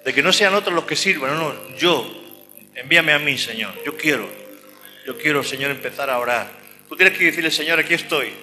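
Fervent lay preacher, slightly high voice, music under the sermon. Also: male voice, brisk, pushed and bright, long reverb tail. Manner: fervent, repeats phrases, punctuates with "amén". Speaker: lay preacher and cell group leader. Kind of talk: sermon and closing prayer.

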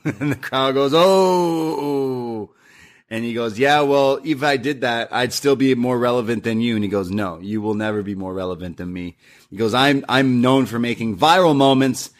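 A young man casually recapping a wrestling show, retelling lines in a lively, animated way. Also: mid-range voice. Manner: lively recap with acted-out quotes.

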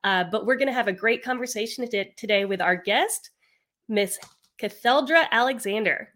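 A woman's voice: fairly high pitch, normal speed, a bit bright. A woman hosting a podcast interview, upbeat and enthusiastic as she asks her guest questions. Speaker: podcast host.

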